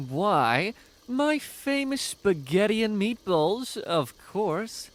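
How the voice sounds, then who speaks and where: A man's voice: sits high, big pitch swings, extremely slow, exaggerated voice. A man playing an affectionate, joking young boyfriend in a naturalistic audio drama. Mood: playful.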